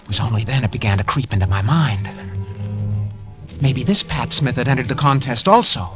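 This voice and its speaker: A jittery impostor telling his own story in clipped, hard-boiled narration, voiced by a man. His voice sits mid-pitch over loud music in an old radio broadcast. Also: animated, brisk, natural voice. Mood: tense. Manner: tense hard-boiled first-person narration. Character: nervous scheming man posing as someone else. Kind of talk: 1940s radio acting.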